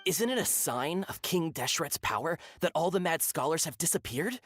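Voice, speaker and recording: A man voicing a zealous, gossipy desert villager with an earnest, excitable manner in a video game. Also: on the high side, moderate pace, no echo, studio quality. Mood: zealous, conspiratorial. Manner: earnest, excitable, stammering when cornered.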